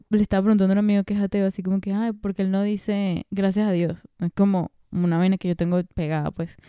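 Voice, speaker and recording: Girl podcasting, super dark mellow voice, smooth, chatty, goes off on tangents. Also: medium pitch, no echo, studio quality. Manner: chatty, digressive, laughs often. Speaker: podcast host. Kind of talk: casual chat.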